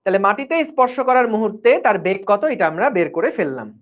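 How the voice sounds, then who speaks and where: A man's voice: high-pitched, expressive, fast. A man, teaching physics in an online class in a chatty way that keeps checking the students follow. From Bangladesh. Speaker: physics tutor. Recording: dull lo-fi stream audio.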